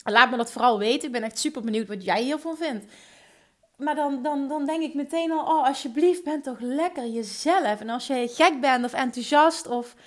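High-pitched energetic woman with Limburg accent. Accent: Limburg Dutch. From Limburg, Netherlands. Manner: energetic, enthusiastic, talks fast with many restarts. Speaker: podcast host. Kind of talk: solo podcast monologue.

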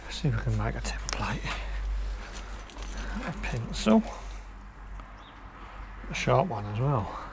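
Gravelly man chatting mid-build. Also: medium pitch, sing-song, slow pace, long pauses, background noise. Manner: chatty, offhand, talks while working. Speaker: van conversion vlogger. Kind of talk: casual DIY commentary. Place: garage workshop and van doorway. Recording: background music, voice sometimes off-mic.

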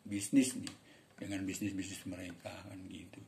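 Warm-voiced man teaching English casually. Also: sits low, level tone, creaky, slight background noise. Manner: reads English sentences slowly, then explains with chatty fillers; acts out short dialogue parts in a raised voice. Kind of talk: casual language lesson.

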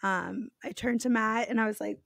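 A young woman with a raspy voice co-hosting a podcast, talking frankly and joking in a casual chat. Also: on the high side, moderate pace, fairly bright tone, no room sound, clean studio sound. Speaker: podcast co-host.

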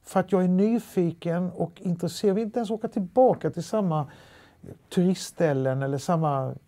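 Gravelly man with a Halland dialect. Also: sits high. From Sweden. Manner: lively anecdotal telling with many restarts and fillers. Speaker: interviewee. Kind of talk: interview storytelling.

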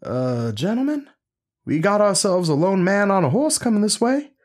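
A man's voice: high voice, very animated, moderate pace, a little mellow. A man playing a tabletop game, with a laid-back, drawling way of talking. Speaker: tabletop player.

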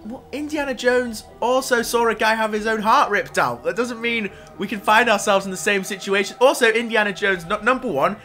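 A man's voice: high-pitched, brisk, few pauses, pushed and bright, faint music behind. A man bantering casually as a let's play co-host, sarcastic and argumentative, swearing freely. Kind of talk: casual banter over video game.

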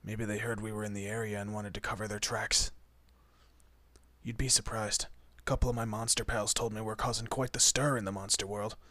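A man's voice: lowish voice, little pitch movement, a little fast, sharp tone, dry recording. A man playing a teasing, protective monster detective in a horror roleplay audio, talking casually to his human partner. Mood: intrigued, dry. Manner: casual, teasing, muttered asides. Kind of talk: horror roleplay audio drama, addressing the listener.

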